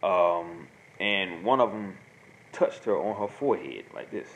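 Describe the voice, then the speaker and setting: Rambling low-voiced man. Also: expressive, a little slow. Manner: rambling, repeats himself, many fillers. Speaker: host answering viewer questions. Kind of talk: casual monologue. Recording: noisy home recording.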